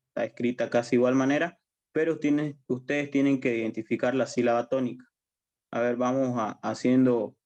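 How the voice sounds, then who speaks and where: A Bolivian man leads a university language class in a mid-pitched voice. He explains step by step and repeats his points. He keeps asking the students whether it is clear. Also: a little mellow, lo-fi sound. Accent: Bolivian Spanish. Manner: patient, repetitive, checks understanding often. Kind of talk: online class lecture.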